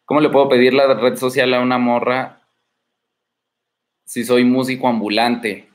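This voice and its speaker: A man's voice: mid-range voice, little pitch movement, unhurried. A man with a Mexican accent hosting a livestream, giving dating advice in a blunt, crude, swaggering way, full of slang and rhetorical questions, talking from a room at home. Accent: Mexican Spanish. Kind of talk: casual livestream advice talk. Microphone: streaming from home.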